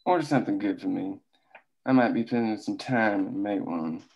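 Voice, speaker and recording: A man plays a blunt, guarded man of authority in a drama table read. He speaks tersely, in a low voice with heavy gravel. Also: normal speed, darkish tone, muffled recording.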